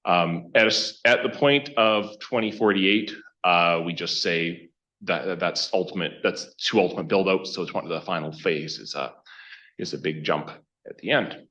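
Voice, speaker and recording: A man giving an informal presentation to a council as a consultant, speaking in a halting, conversational way and often restarting his sentences. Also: sits low, bright, forceful tone. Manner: halting, conversational, self-interrupting. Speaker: consultant project lead presenting. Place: council meeting room. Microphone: meeting microphone. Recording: dull, band-limited meeting room microphone.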